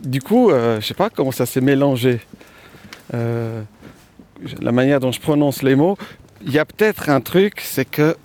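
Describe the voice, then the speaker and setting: A man's voice: medium pitch, animated, measured pace, darkish tone. A man being interviewed as an author, with a light Swiss French accent that has an unplaceable touch. He talks in a thoughtful, hesitant way with many fillers, walking outdoors. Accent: light French-speaking Swiss with an unplaceable touch. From Romania. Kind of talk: conversational interview.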